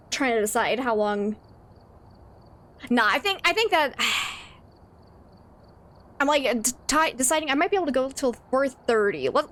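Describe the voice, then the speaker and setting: Chatty woman streaming a game. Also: high-pitched. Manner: chatty, laughs often, reads chat aloud. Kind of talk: casual gameplay stream chat.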